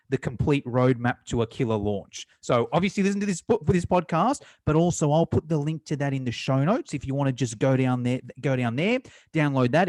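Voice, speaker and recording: An enthusiastic Australian man hosting a podcast interview, chatty with quick restarts. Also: mid-range voice, darkish tone, no echo. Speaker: podcast host. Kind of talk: casual interview chat.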